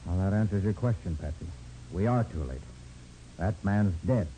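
Animated 1940s radio detective. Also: male voice, low voice. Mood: grave. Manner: brisk, probing, questioning. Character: sharp, inquisitive, skeptical male master detective. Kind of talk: 1940s radio crime drama acting. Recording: noisy vintage 1940s radio recording.

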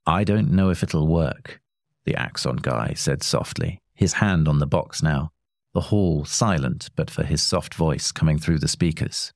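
A man's voice: very deep voice, measured pace, darkish tone, no room sound. A man reading a short story aloud in a dry, wry narrating tone. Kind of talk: scripted narration.

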